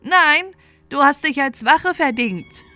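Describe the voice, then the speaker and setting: A woman's voice: sits high, lively intonation, takes it slowly, sharp tone, no echo, soft background music, pitched above the performer's own voice, heavily acted. A woman voicing a mysterious little man in a fairy tale, giving stern, emphatic orders. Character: little mysterious male manikin, commanding and stern.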